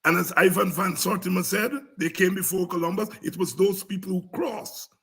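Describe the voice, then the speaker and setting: A man with a Guyanese accent giving an impassioned, informal history lecture as a programme host, emphatic, repetitive and combative, with a raspy, gravelly voice. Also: high voice, steady tone, normal speed, fairly bright tone.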